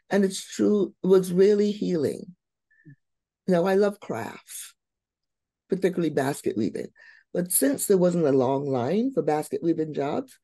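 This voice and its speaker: A middle-aged woman from Barbados, a guest on a video call who tells her life story with warm, expressive emphasis. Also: low-pitched, no echo. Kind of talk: interview storytelling.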